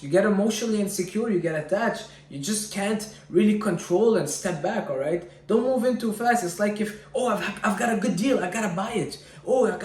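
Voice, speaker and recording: A man from Syria giving informal motivational advice straight to his listeners, direct and repeating phrases for emphasis. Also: on the high side. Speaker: vlogger giving relationship advice. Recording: roomy, echoing room sound.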